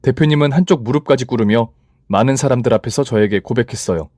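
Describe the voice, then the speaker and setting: A man's voice: medium pitch, fast, a little mellow, no echo, clean studio sound. A man reading a first-person story narration told in a woman's voice.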